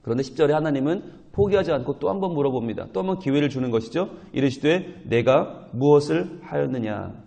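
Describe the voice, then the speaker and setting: A male pastor delivers an early-morning sermon in a slightly higher-than-average voice. He keeps putting questions to his listeners, then answers them himself, and he voices the characters' lines. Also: animated, brisk, vocal fry, hardly any pauses, mellow. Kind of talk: dawn prayer sermon. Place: church.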